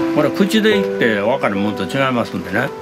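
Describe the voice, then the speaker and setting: A man with a Kansai accent over loud background noise. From Nara, Japan. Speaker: bamboo craftsman. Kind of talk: interview answer. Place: workshop.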